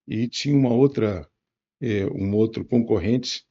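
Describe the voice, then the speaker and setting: A man in his seventies from Bahia, Brazil, with a Bahian accent, answering interview questions in a musing, unhurried way with restarts. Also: on the low side, mellow, slightly rough, muffled recording. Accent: Bahian Brazilian Portuguese. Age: 70s. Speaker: interview guest.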